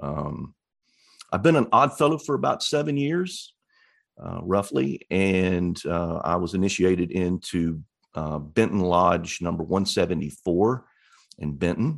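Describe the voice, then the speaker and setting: A man's very deep, low voice in an Arkansas accent, at a fairly slow pace with very wide pitch swings, over a quiet background. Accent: Southern US (Arkansas). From US South, eastern Arkansas near Memphis. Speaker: author and former history teacher. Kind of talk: interview.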